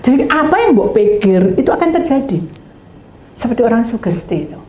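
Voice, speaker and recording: Speaking fairly quickly in a slightly high voice, a middle-aged woman pastor animatedly narrates a sermon story. She voices both sides of the dialogue and occasionally falls to a whisper, in an echoey room with faint background noise.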